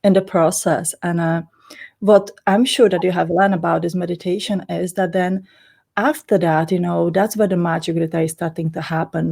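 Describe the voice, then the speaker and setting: A woman from the Czech Republic with a Czech accent, talking earnestly and casually as an interview guest about meditation and healing, in loose non-native English with frequent soft laughs. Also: fairly low pitch, vocal fry, slightly rough. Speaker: spiritual teacher and guest.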